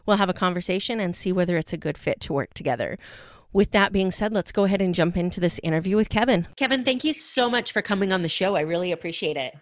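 A woman's voice: on the low side, animated, fast, no echo, clean studio sound. Upbeat woman podcast host. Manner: upbeat, chatty, lots of fillers. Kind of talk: casual interview.

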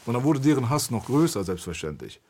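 A man's voice: mid-range voice, big pitch swings, fast talker, mellow, a little hiss or hum. A man from Berlin, a guest in a candid conversation, telling his story in a blunt, intense way. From Berlin, Germany.

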